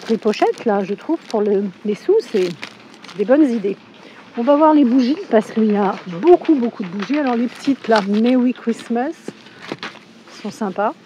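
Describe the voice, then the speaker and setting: A woman with a hoarse voice from a cold, chatting casually as she shows products in a supermarket on a handheld phone. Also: a little high, lively intonation, normal speed, mellow, a little hiss or hum, poor audio. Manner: chatty, with frequent fillers. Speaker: shopping vlogger. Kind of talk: casual store walkthrough. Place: inside a supermarket.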